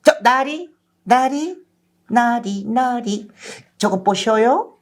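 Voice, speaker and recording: A woman's voice: a little high, drawn-out words, pitched above the performer's own voice. A woman voicing Sancho, a knight's loyal, wheedling manservant in a storybook reading, pleading with servile rustic politeness. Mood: urgent, coaxing. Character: wheedling, loyal male squire of a deluded knight.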